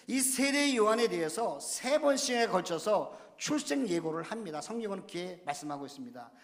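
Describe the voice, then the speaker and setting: Man, 50s, missionary preacher, slightly hoarse, fairly high voice, halting sermon delivery with fillers, church reverb. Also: a bit bright. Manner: halting, many fillers, joking asides. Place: church sanctuary. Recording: long church-hall reverb.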